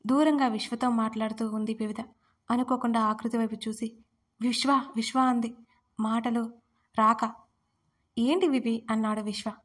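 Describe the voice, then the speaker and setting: Female storyteller, steady scripted reading, small voice shifts for characters, narrow pitch. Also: normal speed. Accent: Telugu.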